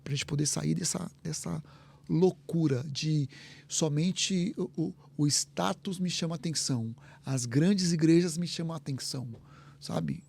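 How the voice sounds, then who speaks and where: A Brazilian man co-hosts a relaxed podcast chat. His voice is gravelly and husky, a little high and mellow. He thinks aloud, pauses and repeats words as he goes. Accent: Brazilian Portuguese. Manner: reflective, hesitant, repeats words. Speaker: podcast co-host.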